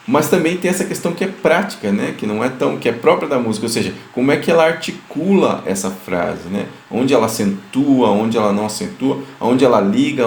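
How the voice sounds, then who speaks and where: A music teacher talks through a lesson in a gravelly, fry-tinged voice, tagging his points with quick checks to his students. His words carry a noticeable echo from the room around him. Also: mid-range voice. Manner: explanatory, many fillers, sings note examples.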